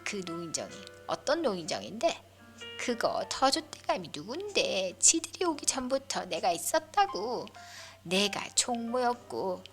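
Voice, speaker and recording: A woman voicing an indignant, stubborn grandmother near ninety in an audio story, loud and lamenting in repeated questions. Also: on the high side, sing-song, normal speed, soft background music, voice pushed up. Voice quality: loud, strong old voice. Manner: lamenting, repetitive rhetorical questions.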